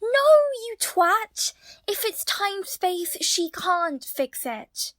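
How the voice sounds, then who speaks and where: A woman acting a blunt, suspicious, sharp-tongued young woman in an audio drama. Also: very high-pitched, lively intonation, slow pace, no echo, exaggerated voice. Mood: irritated.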